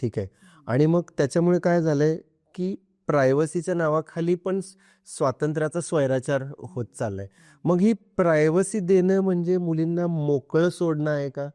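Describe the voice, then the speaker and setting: A man in his thirties or forties hosting a podcast, asking measured, formal questions. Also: a little high, dark tone, smooth, dry recording, clean studio sound. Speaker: podcast host. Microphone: podcast microphone.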